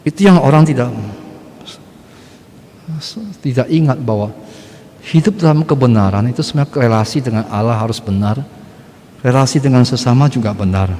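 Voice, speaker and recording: A man's voice: mid-range voice, moderate pace, pauses often, dark tone, slight background noise. A middle-aged male Catholic priest preaching a sermon in a blunt, conversational way, firing rhetorical questions at the congregation. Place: church. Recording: long church reverb.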